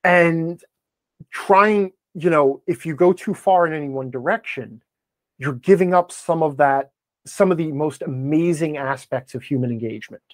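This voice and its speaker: A man's voice: a little high, moderate pace, dry recording. A man speaking as a podcast guest in a conversational interview, wordy and opinionated as he explains things. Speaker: podcast guest, game blogger and author.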